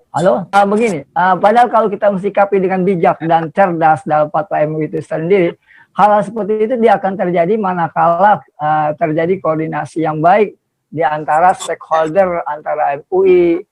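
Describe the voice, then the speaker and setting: A man's voice: high voice, steady tone, normal speed, vocal fry, no echo, faint music behind, poor audio. A man asking a formal question over a remote call, his audio glitching and breaking up, speaking hesitantly with many filler sounds. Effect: glitching, breaking-up audio from a weak connection. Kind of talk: formal question in an online dialogue. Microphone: remote video call.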